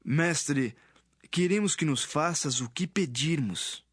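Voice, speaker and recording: Casting: male actor for ambitious young-hearted disciple, higher voice, earnest petitioner, Bible audio drama, dry recording. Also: slow, fairly bright tone, breathy edge, no echo, heavily acted. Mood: eager, requesting.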